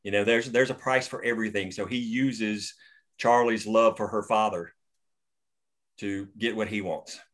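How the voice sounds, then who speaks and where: A man's voice: on the low side, steady tone, normal speed, fairly bright tone. Man explaining his script casually. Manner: explanatory, many restarts. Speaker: writer and host of the table read. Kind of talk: casual discussion after a table read.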